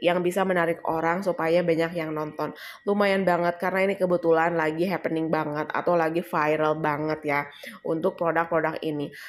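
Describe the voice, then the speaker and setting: A young woman casually walking viewers through trending online shop products, chatty and addressing them as guys. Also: on the low side. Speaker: affiliate marketing vlogger. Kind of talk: casual screen-recording walkthrough.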